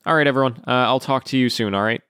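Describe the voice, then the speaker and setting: A man hosting a gaming podcast, telling a story in a casual after-show monologue, ranting in an animated way and breaking off to apologize. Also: medium pitch, fast talker. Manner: acts out quoted exchanges in a raised voice.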